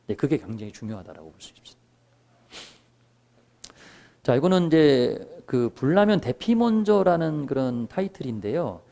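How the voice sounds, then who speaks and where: A middle-aged man giving a fire safety lecture, emphatic and lively, with frequent fillers. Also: medium pitch, creaky. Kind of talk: lecture presentation.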